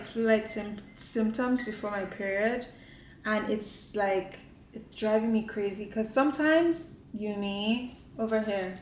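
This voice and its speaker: A woman's voice: mid-range voice, a little hiss or hum. A woman vlogging to camera from her home kitchen, chatting casually and rambling with lots of "like" fillers. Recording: echoey room with faint ambience.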